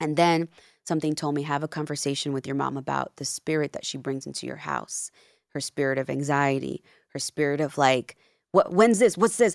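In an American accent, a woman with a very deep, low voice and vocal fry talks at a fairly quick pace with big swings in loudness, in a dry, close sound with no echo. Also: ordinary pitch variation, very clean recording, silent background. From US, New Jersey; Peruvian family. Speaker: life coach and speaker. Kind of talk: casual chat. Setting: studio.

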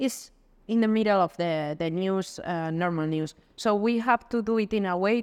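In a Spanish accent, a woman speaks with fairly even intonation. The sound is dry and close with no echo, over a quiet background. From Argentina. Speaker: podcaster, journalist. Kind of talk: casual chat.

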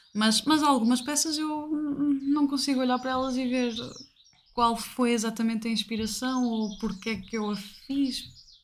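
Audible room echo carries a woman's voice. Her pitch is high and her pace fairly slow. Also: ordinary pitch variation. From Portugal, Chaves (Trás-os-Montes). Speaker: ceramic artist. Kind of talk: casual interview. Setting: pottery studio. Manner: hesitant.

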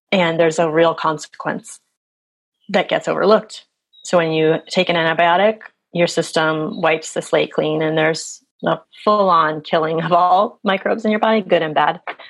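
This woman has an ordinary speaking voice with a fairly low pitch. She talks at a moderate pace. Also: fairly even intonation. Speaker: herbalist and women's health coach. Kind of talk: interview conversation.

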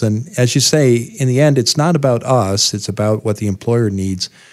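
A man speaks at a moderate pace with lively intonation in a plain, everyday voice. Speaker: podcast host. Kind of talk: podcast conversation and interview.

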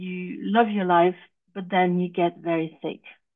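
Someone talks in an ordinary speaking voice at a fairly slow pace. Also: woman. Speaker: host promoting quiz and explaining intuition. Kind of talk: podcast segment, explanatory.

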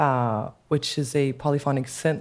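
Her voice is very deep and low. The woman keeps a fairly even intonation. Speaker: DJ, producer and singer. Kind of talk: casual interview chat. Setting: video call from Brazil.

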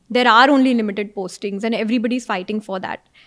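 Very fast speech comes from a woman with an Indian accent. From Delhi, India. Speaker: startup co-founder and CEO. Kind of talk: casual interview conversation.

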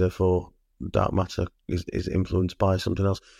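Delivered very fast in a northern English accent, the speech stays flat and monotone, recorded very cleanly against a silent background with a dry, close sound and no echo. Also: man. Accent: northern English, flat vowels. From northern England, Manchester area. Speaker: listener asking a question. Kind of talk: recorded listener question.

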